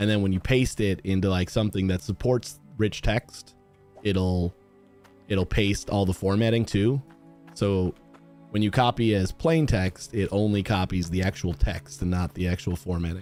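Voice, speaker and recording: A man's very deep, low voice with ordinary pitch variation, music in the background. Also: moderate pace. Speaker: streamer. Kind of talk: casual talk while gaming on stream.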